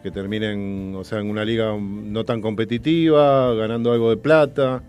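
A man's voice: fairly low pitch, fairly even intonation, moderate pace, darkish tone, faint music behind. A man with a Rioplatense Spanish accent, co-hosting a casual chat full of teasing banter.

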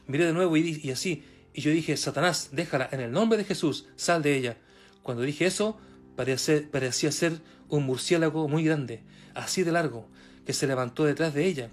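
Halting Chilean preacher over faint music. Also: male voice, fairly high pitch. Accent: Chilean Spanish. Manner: halting, many fillers and repeated words, rising for emphasis. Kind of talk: sermon reading and retelling a testimony.

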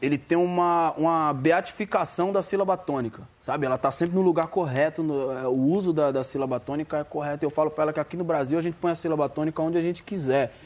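A man's voice: on the high side, quick pace, hardly any pauses. A man in his thirties with a Brazilian accent, a guest on a studio talk show, telling stories in a slangy, joking way. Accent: Brazilian Portuguese. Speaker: guest rapper. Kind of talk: casual studio interview.

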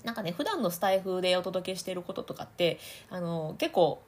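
A woman's voice: fairly low pitch, very animated, a little fast, a little mellow. A woman, a voice trainer hosting a chatty podcast, laughing often and trying out voice placements as she explains them. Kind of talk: casual audio podcast talk.

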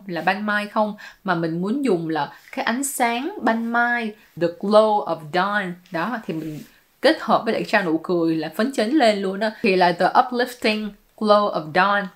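A woman's voice: mid-range voice, measured pace. A woman, giving casual, playful commentary as a YouTuber explaining her song-lyric translations and dropping English words into her talk.

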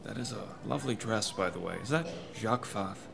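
An actor playing a suave, unflappable seasoned crimefighter with an urbane, understated manner in a 1940s-style radio drama. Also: male voice, on the low side, animated, fairly quick, gravelly. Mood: wry, assured. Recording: busy crowd murmur behind.

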